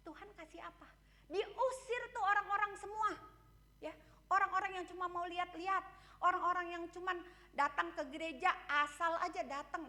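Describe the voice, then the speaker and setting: Woman pastor, very high voice, bright and forceful, sermon, asks the congregation questions. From Indonesia. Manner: candid and conversational, shares personal stories.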